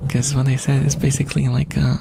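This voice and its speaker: A native Polish man rambling softly and casually to his ASMR live chat, hesitant and playful. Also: mid-range voice, flat delivery, fairly quick, vocal fry, background noise.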